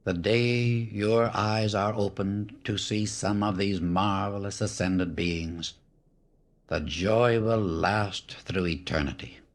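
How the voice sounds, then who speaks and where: A man reading a spiritual audiobook as scripted narration, in a solemn, measured, declarative way. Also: on the low side, fairly even intonation.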